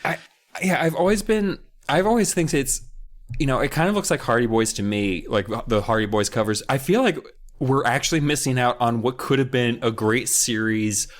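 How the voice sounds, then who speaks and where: A man's voice: medium pitch, normal speed. A man co-hosting a podcast in casual comic chat, prone to swearing and exaggerated exasperation. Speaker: podcast co-host. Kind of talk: casual comic chat, critiquing book covers.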